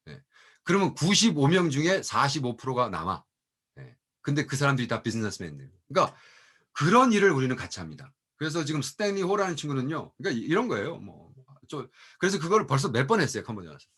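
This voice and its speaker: Husky-voiced Korean pastor telling stories. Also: male voice, medium pitch, fast talker. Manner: animated storyteller acting out quoted dialogue. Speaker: pastor and mission professor. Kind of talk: storytelling testimony talk.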